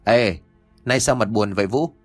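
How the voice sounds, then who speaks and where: A man's voice: on the low side, normal speed, no room sound, soft background music, lightly acted. A man voicing a casual, blunt young male student friend.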